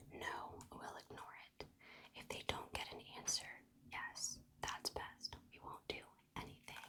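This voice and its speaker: Whispering at a fairly slow pace, with long, frequent pauses. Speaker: audiobook reader. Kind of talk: whispered story reading. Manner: whispered.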